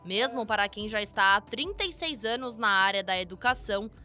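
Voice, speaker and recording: A woman with a Brazilian Portuguese accent reading a scripted news report in an even, polished way. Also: medium pitch, brisk, faint music behind.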